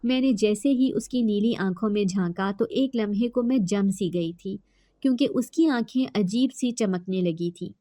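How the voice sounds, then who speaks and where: A woman narrating a first-person horror story in a steady, even-paced reading voice. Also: medium pitch, dry recording.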